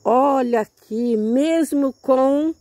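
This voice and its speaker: A woman's voice: high-pitched, extremely slow, warm tone, dry recording. Grandmother in her seventies, folksy and chatty, outdoors in a hillside garden, dry sound. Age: 70s. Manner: chatty, folksy, keeps saying "look here", religious exclamations. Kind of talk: casual chat while tending plants.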